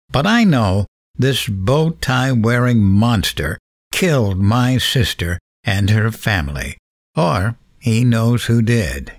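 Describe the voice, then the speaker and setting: Swaggering, sardonic low-voiced radio host. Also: male voice. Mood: brooding, self-important. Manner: sardonic, goading. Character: cocky, vengeful male late-night radio talk-show host. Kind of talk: dramatic first-person narration and radio interview.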